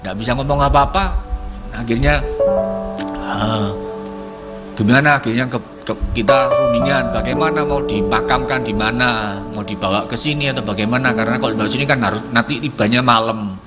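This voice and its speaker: A middle-aged man tells his testimony to a church gathering. He speaks in halting, repetitive phrases full of fillers, at a middle pitch. Music plays clearly underneath. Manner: halting, many fillers and repeats, searching for words. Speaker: congregation member giving testimony. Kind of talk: spoken testimony at a prayer service. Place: church hall. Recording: church service with music playing behind.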